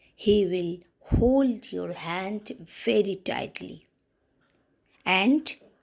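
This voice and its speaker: A woman speaks at a very slow pace. She has a Bengali accent. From India, West Bengal (Kolkata). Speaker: podcaster. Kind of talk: motivational monologue.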